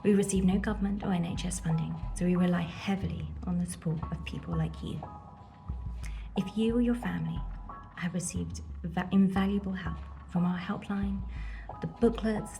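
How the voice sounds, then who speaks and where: A woman reading a sincere, measured fundraising appeal. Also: fairly low pitch, dark tone. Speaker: charity fundraising announcer. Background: faint music.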